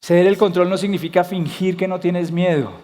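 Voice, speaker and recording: High-pitched guy preaching to his church, earnest, asks the crowd stuff, echoey hall. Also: steady tone, a little fast, mellow. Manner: earnest preaching, rhetorical questions to the congregation. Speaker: pastor. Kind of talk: sermon.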